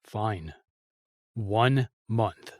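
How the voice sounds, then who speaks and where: A man's voice: lowish voice, expressive, extremely slow, dry recording, clean studio sound, heavily acted. A man playing a cynical, reluctant knight worn out by duty, curt and sardonic, in a fantasy audio drama. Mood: grudging, weary.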